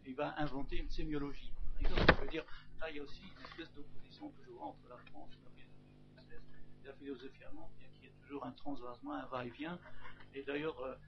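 Gravelly-voiced man, hesitant questioner. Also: medium pitch, highs cut off, background noise. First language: German. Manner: hesitant, searching, repeats words. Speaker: audience member asking questions. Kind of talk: discursive question at a lecture.

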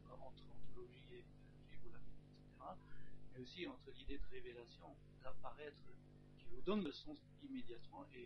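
A man's voice: medium pitch, creaky, dull audio. A man whose first language is German, asking a long, searching question after a lecture, often repeating words as he hesitates. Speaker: audience member asking questions.

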